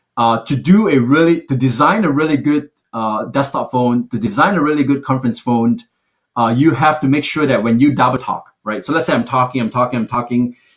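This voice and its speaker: With a Singaporean accent, a man talks at a fairly quick pace and a medium pitch. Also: ordinary pitch variation. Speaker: tech product manager. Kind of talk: presentation. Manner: frequent fillers, uh and right.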